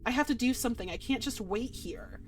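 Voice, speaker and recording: A woman's voice: a little high, lively intonation, a little fast, background noise, lightly acted. A woman reading a visual novel aloud, voicing a frightened, injured young woman in the first person, with tense delivery that breaks into swearing. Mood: panicked.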